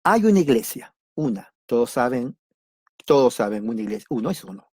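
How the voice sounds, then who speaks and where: A man teaching a church doctrine class, speaking deliberately in simple words and repeating key words for emphasis. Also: medium pitch, very animated, darkish tone, breathy edge, dry recording, clean studio sound. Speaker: Bible study teacher.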